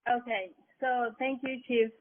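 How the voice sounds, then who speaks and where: Female, Zimbabwean accent, fairly high voice, earnest and halting testimony, narrow phone-like sound. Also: steady tone. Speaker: party member giving a testimony. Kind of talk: spontaneous personal testimony to a meeting. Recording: tinny, band-limited online call audio.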